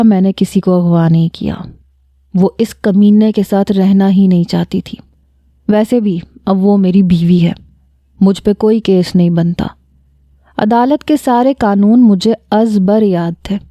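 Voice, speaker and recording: A woman narrating a first-person romantic story with a lively, expressive reading. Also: medium pitch, no room sound.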